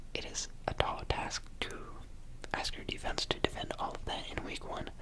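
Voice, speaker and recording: Loud background noise surrounds a soft-spoken man talking at a moderate pace. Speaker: sports commentator. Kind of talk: commentary. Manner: soft, close-mic ASMR speaking. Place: home room. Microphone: studio mic.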